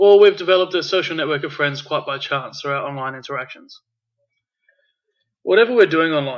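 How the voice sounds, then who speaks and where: Long, frequent pauses break up speech that has big swings in loudness and ordinary pitch variation. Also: man, fairly high pitch for a man, fairly quick pace. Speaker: podcast host. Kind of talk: solo podcast monologue on relationships.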